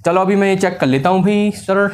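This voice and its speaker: A man's voice: high voice, fairly quick. A man teaching physics at a board, walking students step by step through a derivation and mixing English formula terms into his speech. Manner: talks students step by step through a derivation, calling them sir and beta. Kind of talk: blackboard lesson. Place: classroom at a board.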